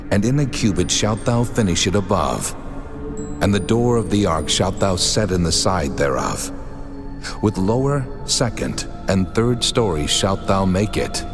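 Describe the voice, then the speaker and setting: A man playing God as a mighty deity, speaking solemn, measured commands in a dramatized scripture reading. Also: low-pitched, full character voice. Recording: long hall reverb, music underneath. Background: music.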